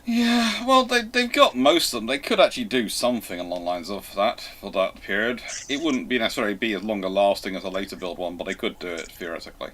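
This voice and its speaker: Bright-voiced man hosting a chat. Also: fairly low pitch, animated, quick pace, hardly any pauses. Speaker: host of a live naval history Q&A. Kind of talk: casual livestream panel chat.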